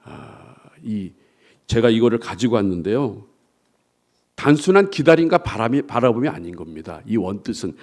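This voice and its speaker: A male pastor preaches a sermon, asking the congregation to repeat after him and acting out believers' complaints in quoted voices. His voice is on the low side and darkish, sing-song, at a normal speed.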